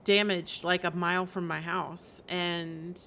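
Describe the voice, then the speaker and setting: Speaking slowly in a lowish, sharp voice with little pitch movement, this woman live-streams a video game and chats casually, thinking out loud in a rambling way. Video game music plays behind her, and there's slight background noise.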